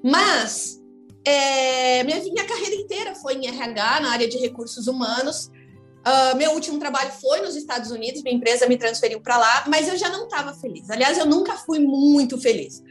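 A São Paulo woman in her thirties with a Brazilian Portuguese accent appears as an interview guest, thinking aloud in a reflective, frank way during a candid conversation. Her voice is high and her pace moderate, with soft music playing in an echoey room.

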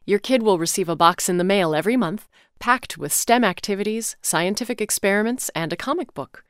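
A woman reading scripted sponsor messages in a clean, even way. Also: mid-range voice, fairly quick, clear, resonant tone, dry recording, studio quality. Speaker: sponsor announcer.

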